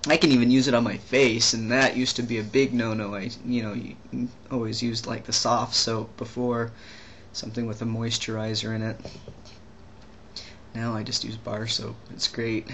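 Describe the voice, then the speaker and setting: A young trans man rambles through a personal video diary, stopping and restarting his sentences often. His pitch stays level and even, with little rise or fall. A faint steady hiss sits under the camera-mic recording. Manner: rambling, halting, many restarts and fillers. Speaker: vlogger.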